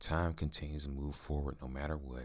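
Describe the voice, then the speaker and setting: A man's very deep, low voice with vocal fry and a bright, sharp tone, at a moderate pace with fairly even intonation against a quiet background. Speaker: vlogger. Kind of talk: casual vlog chat. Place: home room. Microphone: handheld.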